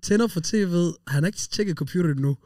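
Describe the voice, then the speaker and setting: High-voiced man telling stories far off-mic. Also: dry recording, studio quality. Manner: animated anecdote telling, laughs often. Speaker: podcast co-host. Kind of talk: casual storytelling chat.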